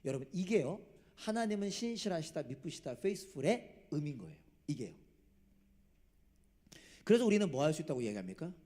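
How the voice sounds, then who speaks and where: A man preaching a sermon as pastor, animated, throwing rhetorical questions at the congregation and dropping from loud to hushed, with self-mocking jokes. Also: a little high, brisk, pauses often. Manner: jokes about himself.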